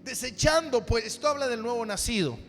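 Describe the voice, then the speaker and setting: A man's voice: very high-pitched, animated, brisk, fairly bright tone. A man preaching a sermon as a pastor, teaching from the Bible emphatically, repeating phrases and putting rhetorical questions to his listeners. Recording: echoey hall, music behind the voice.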